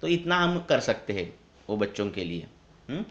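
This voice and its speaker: Male Ayurvedic doctor fielding questions, mid-pitched and measured, halting now and then; heavy echo, muffled call audio. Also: sing-song, a bit bright. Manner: measured, explaining with frequent hesitations. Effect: echoey call audio. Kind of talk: explanatory Q&A on a call. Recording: dull echoey online call audio.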